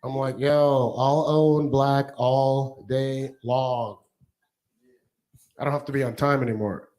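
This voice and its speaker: A man's voice: medium pitch, fairly even intonation, slow pace, darkish tone, poor audio. A man from Egypt doing a stand-up comedy routine, playful and punchy, sometimes putting on other people's voices. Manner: playful, punchy delivery with put-on voices for hecklers.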